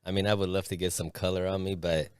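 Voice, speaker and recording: Very deep-voiced male co-host. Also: flat delivery, quick pace, a little mellow, clear, resonant tone, no room sound, studio quality. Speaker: podcast co-host. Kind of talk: casual interview chat.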